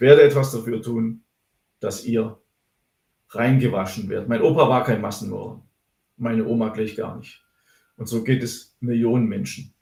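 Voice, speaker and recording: The man's voice is somewhat breathy and medium in pitch, with fairly even intonation. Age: 60s. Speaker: author. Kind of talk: interview.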